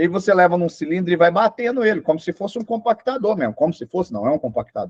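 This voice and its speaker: Talking at a very fast pace with hardly any pauses, a man uses a high pitch and lively intonation. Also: dry, close sound with no echo. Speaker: professor. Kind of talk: online lecture with Q&A. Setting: video call class with chat.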